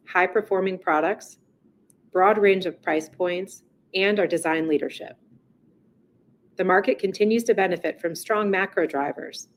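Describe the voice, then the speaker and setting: A woman chief executive reading a scripted earnings presentation in a formal, measured corporate manner. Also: lowish voice, slight background noise.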